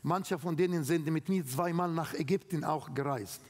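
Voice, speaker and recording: A man with an Arabic accent preaching a sermon in slow, emphatic, non-native phrasing, speaking in a church hall. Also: on the high side. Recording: long hall reverb.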